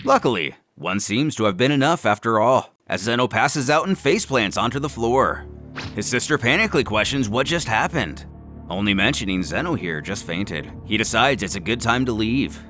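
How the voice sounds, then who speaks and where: A man giving an animated, dramatic scripted narration of a manga story, as a narrator and host. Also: fairly low pitch, normal speed, soft background music.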